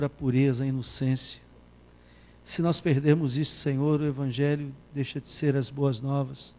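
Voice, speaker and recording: A man's voice: medium pitch, darkish tone. A man leading a prayer, repeatedly addressing God. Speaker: pastor. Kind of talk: closing prayer.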